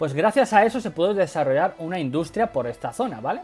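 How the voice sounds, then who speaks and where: Very wide pitch swings run through this man's speech. His voice is high-pitched. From Extremadura, Spain (Badajoz). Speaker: travel podcaster. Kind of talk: casual monologue. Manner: animated.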